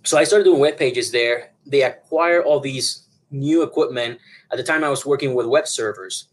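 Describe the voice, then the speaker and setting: A man's voice: medium pitch, normal speed, poor audio. A man from Puerto Rico in his thirties, a broadcast engineer talking as an interview guest, rambling with many fillers and restarts. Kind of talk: conversational interview.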